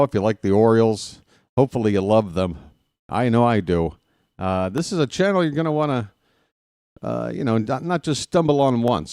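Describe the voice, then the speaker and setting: A man's voice: on the low side, no echo, clean studio sound. A man hosting a live baseball stream, talking casually with lots of fillers while congested from sinus trouble. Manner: chatty, relaxed, many "uh" fillers. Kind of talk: casual pregame commentary.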